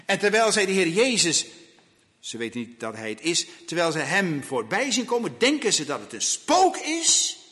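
A man preaching a sermon, emphatic and repetitive, with long dramatic pauses between words. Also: high-pitched, wildly swooping pitch, pushed and bright, long reverb tail.

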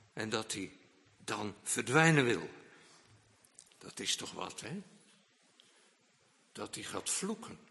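Male preacher, gravelly and unhurried, emphatic sermon delivery, church reverb. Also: mid-range voice. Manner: emphatic, swings from quiet to loud declamation; repeatedly addresses the congregation directly. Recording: long reverb of a church hall.

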